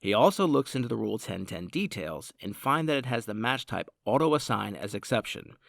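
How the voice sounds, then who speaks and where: A man reading a scripted software tutorial in a measured, formal, explanatory way. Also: lowish voice, big pitch swings, gravelly, no echo, studio quality. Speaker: product tutorial narrator.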